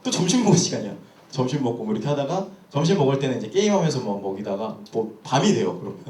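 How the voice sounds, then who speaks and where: A man's voice: mid-range voice, big pitch swings, fast, mellow. A young man, a pastor, telling a personal story in a sermon with candid, self-questioning storytelling. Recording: echoey church hall.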